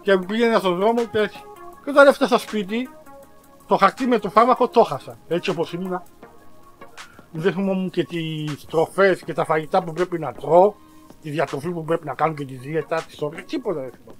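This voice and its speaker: A man with a notably high voice tells a story to his viewers in a casual vlog. He is dramatic and self-mocking, and he breaks into exaggerated outbursts. Faint music plays in the background. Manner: addresses viewers directly, slangy and self-mocking. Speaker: vlogger.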